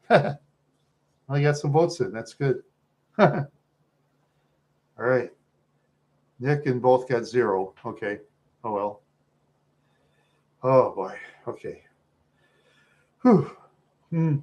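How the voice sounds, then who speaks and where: A man with an American accent chatting casually to viewers as a livestream host, rambling along in a talkative, halting way. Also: medium pitch, lively intonation, darkish tone, lo-fi sound.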